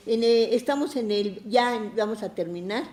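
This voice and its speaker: In a church hall, a woman with a Mexican Spanish accent leads a Bible study and shares an emotional personal testimony, fervent and full of exclamations. Her fairly high voice has a somewhat dark tone and a normal pace, echoing around the room.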